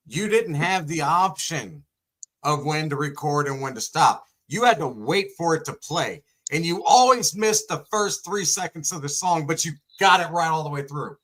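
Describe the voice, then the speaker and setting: A man's voice: a little high, a bit bright. A man co-hosting a talk show, chatting and telling stories casually. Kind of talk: casual chat and storytelling.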